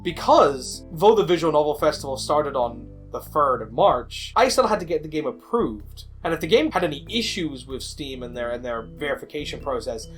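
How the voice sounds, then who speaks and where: A man telling a personal story as a game developer in an informal, candid voice-over. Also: a little high. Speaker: indie game developer and video creator.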